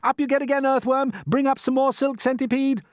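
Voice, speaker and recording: A storybook narrator voicing a brave, eager young boy giving quick commands. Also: sits high, huge pitch swings, dry recording, studio quality, pitched above the performer's own voice, full character voice. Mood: excited.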